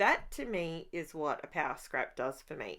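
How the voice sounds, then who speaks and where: In an Australian accent, a woman talks at a fairly slow pace on a very clean recording with a silent background. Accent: Australian, noticeable to viewers. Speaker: craft YouTuber. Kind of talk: casual voiceover tutorial. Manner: chatty, casual with fillers.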